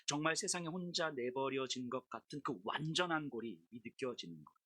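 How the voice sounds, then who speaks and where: Middle-aged woman pastor, sermon; husky, bright tone, very lively pitch, storytelling delivery. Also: fairly quick, no room sound. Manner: personal storytelling, shouting her remembered complaints.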